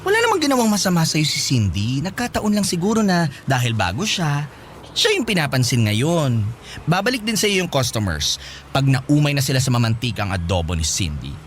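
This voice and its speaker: An actor playing a sassy, reluctant gay best friend in a Tagalog radio drama, complaining in a campy, exaggerated way. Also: male voice, a little high, wildly swooping pitch, normal speed, fairly bright tone, a little hiss or hum. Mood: exasperated.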